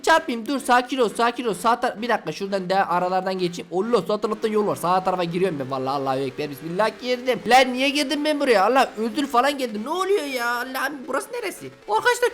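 A man giving excited gameplay commentary as a gaming YouTuber, full of loud exclamations. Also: high-pitched.

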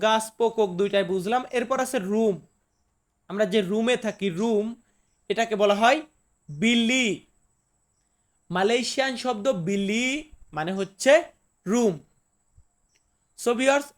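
A man's voice: high voice, fairly bright tone. A man from Bangladesh giving a casual spoken language lesson, repeating and explaining each word patiently. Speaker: language teacher.

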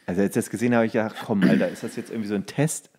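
A man's voice: lowish voice, racing, a little mellow, husky. A man in casual, comedic podcast banter as a co-host, joking and mock-indignant. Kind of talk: casual comedic banter, guessing slang words.

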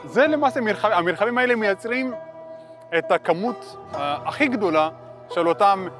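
A man giving a measured, explanatory interview. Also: high-pitched, animated, fairly bright tone. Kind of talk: interview talk. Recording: music bed underneath.

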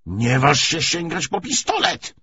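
A man reading an audiobook, voicing a defiant, threatening woman with a sharp, insistent, sardonic manner. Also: fairly high pitch, huge pitch swings, a little slow, voice pushed up, exaggerated voice. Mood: fierce, threatening. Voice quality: hoarse, strained half-shout. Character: defiant, threatening woman bargaining hard for money. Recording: dull audiobook recording with faint noise.

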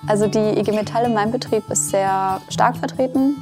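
A woman in her twenties answering interview questions in a relaxed, self-ironic way in a studio. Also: medium pitch, fairly quick. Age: 20s. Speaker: scholarship holder. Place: studio against a colored backdrop. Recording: guitar music underneath.

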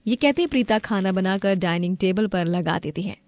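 A woman's voice: mid-range voice, moderate pace, darkish tone, dry recording. A woman with an Indian accent giving scripted story narration.

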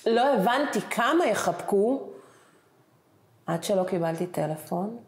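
A middle-aged woman, an interview guest, tells her personal story with emotion and acts out the conversations she recalls. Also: mid-range voice. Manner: animated, acts out the dialogue she retells. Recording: roomy echoing room.

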